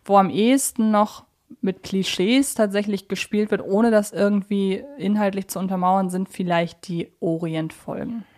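A woman's voice: medium pitch, fairly even intonation, moderate pace, a little mellow. Woman hosting a conversational podcast. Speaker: podcast host.

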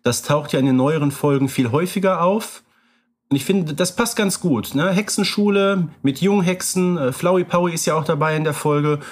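A man co-hosting a podcast, talking in a relaxed way and thinking aloud with fillers. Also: a little high, normal speed. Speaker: podcast co-host. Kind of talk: casual podcast discussion.

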